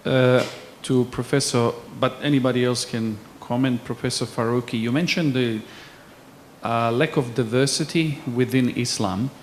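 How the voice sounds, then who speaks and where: A man from Bosnia, asking a panel a long, measured question from the floor. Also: medium pitch, fairly even intonation, slight background noise. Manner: measured, searching for words. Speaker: audience member asking a question.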